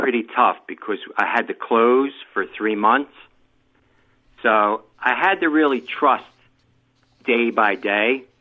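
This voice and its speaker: A man speaks at a fairly slow pace in a medium pitch, his pitch varying in an ordinary way. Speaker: caller. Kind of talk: testimony. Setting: phone call.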